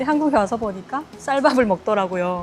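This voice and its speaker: A woman speaks in a normal speaking voice at a fairly high pitch. Her intonation is lively. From North Korea, Ryanggang Province. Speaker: North Korean defector, former navy soldier. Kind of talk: interview.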